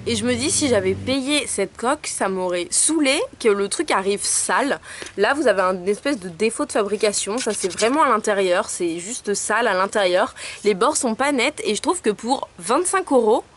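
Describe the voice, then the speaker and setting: A woman's voice: mid-range voice, expressive, normal speed, a bit bright. A young woman chatting casually in a haul vlog, showing products with many hesitations. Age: young adult. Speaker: beauty vlogger.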